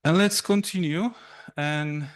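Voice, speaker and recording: A young adult man whose first language is Turkish gives a university seminar talk in a lecture room, explaining slides in a halting way with fillers and restarts. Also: on the high side. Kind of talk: academic presentation.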